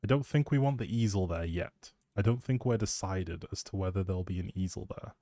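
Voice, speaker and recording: A man chatting casually on a live game stream, informally thinking out loud as he goes. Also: low voice, brisk, no room sound, studio quality.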